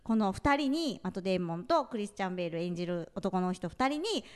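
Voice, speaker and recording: A woman's voice: medium pitch, lively intonation, a little fast, clear, resonant tone. A woman working at a cinema, appearing as a radio guest who explains a film in a friendly, giggly way. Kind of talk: casual radio chat.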